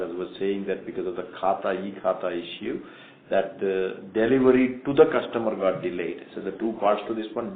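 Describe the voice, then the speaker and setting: A man's voice: on the low side, creaky. A man answering as a company executive, rambling and correcting himself as he goes. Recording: echoey phone line with faint noise.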